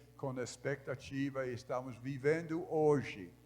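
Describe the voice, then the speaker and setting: A man with a fairly high-pitched voice talks at a fairly slow pace. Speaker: missionary preacher. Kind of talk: sermon. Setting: church.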